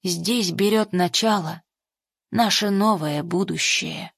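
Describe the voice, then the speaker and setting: A woman's voice: on the low side, slow, no room sound, clean studio sound. A woman voicing a brooding, remorseful great khan. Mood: tender, earnest. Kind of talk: audiobook character voice.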